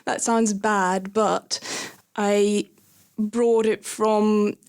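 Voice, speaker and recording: Slow-talking woman, Lithuanian native speaker. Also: mid-range voice, flat delivery, clear, resonant tone. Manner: hesitant, many fillers, laughs softly. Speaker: guest. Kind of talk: casual conversational storytelling.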